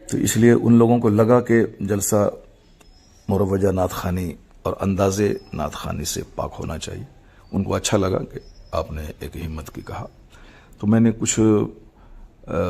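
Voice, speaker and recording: Middle-aged male cleric, low-pitched with heavy creak, solemn and halting formal address, faintly noisy amateur audio. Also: a little mellow. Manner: measured, halting phrasing with formal Urdu religious vocabulary.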